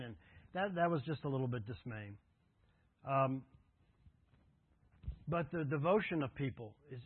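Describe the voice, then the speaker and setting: A male pastor delivers a sermon with an earnest, storytelling manner. His voice is slightly high and husky. The sound is dry and thin, like it came over a phone line. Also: no echo. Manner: conversational storytelling, earnest exhortation. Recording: tinny phone-like audio.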